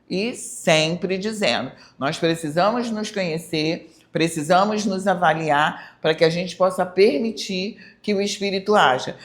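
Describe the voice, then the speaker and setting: A woman with a Brazilian Portuguese accent teaching a church Bible study, emphatic and often adding rhetorical tag questions. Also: lowish voice.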